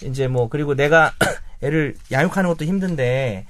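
A man in his thirties hosting a casual panel talk, animated and leading the discussion with questions. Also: fairly high pitch, moderate pace. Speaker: podcast host.

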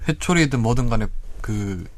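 A man speaking as a panelist in a casual discussion, measured and hesitant as he thinks aloud. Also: mid-range voice, animated, no room sound.

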